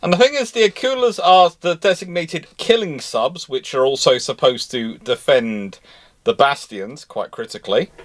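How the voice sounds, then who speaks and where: A man's voice: fairly high pitch, normal speed. A man in a casual live discussion of naval history, talking in a detailed, pedantic way. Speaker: live show panellist answering naval history questions.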